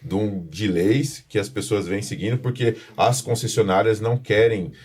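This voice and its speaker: A Brazilian man from São Paulo hosts a podcast in a low, husky voice. His tone is mellow, and he talks informally, repeating phrases as he addresses the audience. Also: fairly even intonation, normal speed. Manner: informal, repetitive, addresses viewers directly. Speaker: podcast host, professional condominium manager. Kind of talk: conversational podcast presenting.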